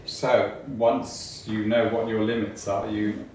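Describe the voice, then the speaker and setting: Male interviewer, lowish voice, halting and repetitive; distant, very echoey room, faint noise. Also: level tone, a little mellow. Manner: hesitant, repeats words, laughs easily. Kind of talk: interview conversation.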